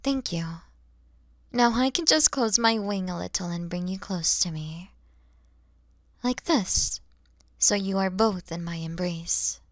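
A woman voicing a kind, motherly mature dragon in an ASMR roleplay, speaking softly and breathily with tender, soothing warmth. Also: medium pitch, takes it slowly, pauses often, dry recording, studio quality, close to an everyday voice. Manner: soft, breathy, soothing, often near-whispered.

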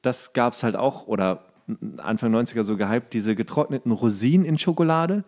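A man chatting casually as a podcast co-host, telling things in a jokey, animated way. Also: mid-range voice, brisk. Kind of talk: casual comedic chat.

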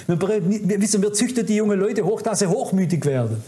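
A man delivers a conference sermon in a noticeably high voice. He is fervent and admonishing, speaking directly to his listeners to warn and exhort them. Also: expressive, a little fast, warm tone. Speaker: preacher. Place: conference hall.

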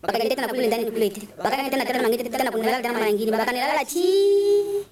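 Woman witness, fast and stammering, echoey room from afar, crowd behind. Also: fairly high pitch, recorded from a distance. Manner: rapid, stammering, distressed. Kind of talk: testimony.

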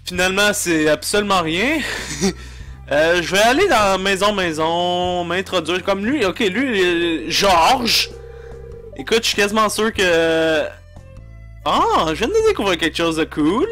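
A man's voice: high-pitched, lively intonation, measured pace, sharp tone, faint music behind. A man with a Quebec French accent giving casual, profane gameplay commentary and mixing in English phrases. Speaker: let's play gamer.

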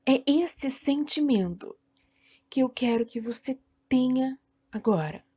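A Brazilian woman leading a guided meditation in a soothing, deliberate way, speaking in short phrases with long pauses. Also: high voice, lively intonation, warm tone, breathy edge, muffled recording. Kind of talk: guided meditation, self-hypnosis narration.

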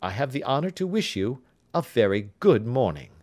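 A man's voice: medium pitch, sing-song, normal speed, darkish tone, pitched above the performer's own voice, close to an everyday voice. A man reading as a cool, precise detective, formal and restrained.

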